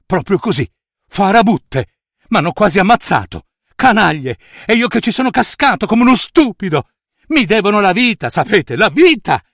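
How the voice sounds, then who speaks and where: A man's voice: a little high, animated, slow, a bit bright, no room sound, clean studio sound, full character voice. A man doing a frantic white coypu. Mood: indignant. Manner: breathless, indignant, exclaiming. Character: frantic excitable white coypu, male, boastful and self-pitying.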